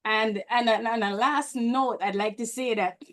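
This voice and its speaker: A woman from Belize sharing earnest, somewhat halting comments as a guest on an online meeting video call. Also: on the high side, fairly even intonation, no echo, clean studio sound. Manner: earnest, hesitant restarts.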